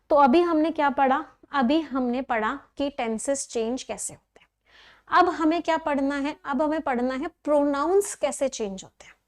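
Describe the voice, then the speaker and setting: A woman teaching an English grammar class, explaining step by step, repeating key points and checking whether the students follow. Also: sits high.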